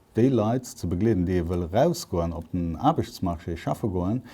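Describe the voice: A man talks with a dark, mellow tone, a slightly husky edge and ordinary pitch variation.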